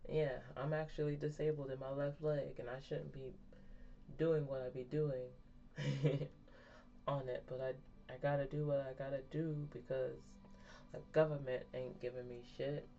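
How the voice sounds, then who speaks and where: A woman's voice: rumbling low, little pitch movement, moderate pace, mellow, slight background noise. A woman in her thirties chatting candidly to her viewers in a rambling way, often laughing at herself. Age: 30s. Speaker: vlogger. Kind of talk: candid personal chat to viewers. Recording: dull lo-fi sound, faint music behind.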